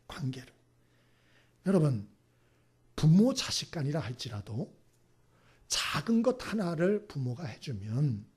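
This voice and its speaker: A male pastor giving a Sunday sermon. He asks the congregation questions and then answers them himself in soft, whispered repeats. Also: high voice, breathy edge.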